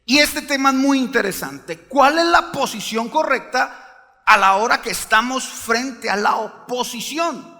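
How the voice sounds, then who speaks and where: Male pastor, emphatic sermon, high gravelly voice, church hall reverb. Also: animated, unhurried, pushed and bright. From Colombia. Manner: emphatic preaching, calls for amens. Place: church sanctuary.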